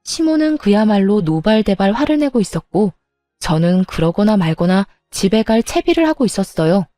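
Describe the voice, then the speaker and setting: Woman, scripted story narration, wry matter-of-fact delivery, warm mellow voice, dry close recording. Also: mid-range voice, very animated, moderate pace, dry recording, faint music behind. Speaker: storyteller telling her own story.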